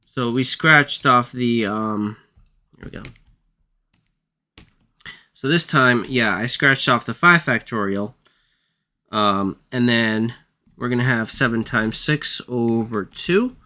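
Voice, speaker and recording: Male math tutor, under the weather and losing his voice; slow, halting delivery, bright tone. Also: medium pitch. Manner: halting, apologetic, thinks aloud. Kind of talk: working textbook problems aloud.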